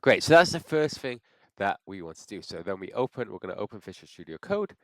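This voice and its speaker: A man with a cold, sounding congested, talking through a software install step by step and thinking aloud as he clicks. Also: fairly low pitch, big pitch swings, a little fast, dry recording, low-quality recording. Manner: thinks aloud with frequent restarts. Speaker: software tutorial presenter. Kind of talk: screen-recorded how-to walkthrough.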